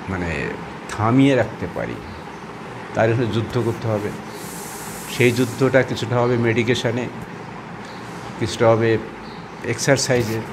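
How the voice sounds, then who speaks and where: Fairly even intonation from a man at medium pitch, noticeable noise behind him. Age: old. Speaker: retired senior vlogger. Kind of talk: personal vlog talk to camera.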